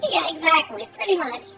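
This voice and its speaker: A woman's voice: extremely high pitch, pushed and bright. A young woman streaming a game, chatting casually and reading its story text aloud, and tripping over the fantasy names. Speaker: live streamer. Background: game music.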